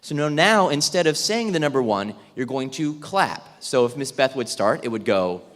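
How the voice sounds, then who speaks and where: A man with a medium-pitched voice leads a group exercise as a workshop facilitator. He gives instructions in an upbeat, joking way. His voice rings with the long reverb of a big hall. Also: sing-song, moderate pace, a bit bright. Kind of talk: leading a group warm-up exercise for an audience. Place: large indoor event room with tables.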